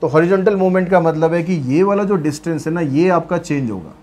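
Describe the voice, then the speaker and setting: Man, maths teacher, step-by-step explanation, chatty, slightly high voice. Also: expressive, darkish tone, slight background noise. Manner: chatty, asks and answers his own questions, mixes English phrases into explanation; reads English problem text slowly and deliberately.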